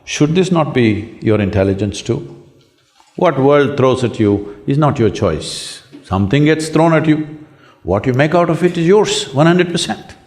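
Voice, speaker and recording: A hoarse man with an Indian English accent answering student questions in a public talk, asking rhetorical questions and inviting agreement. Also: medium pitch, animated, unhurried, darkish tone. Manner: rhetorical, asks the audience to agree. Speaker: spiritual speaker answering questions. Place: large lecture hall with an audience.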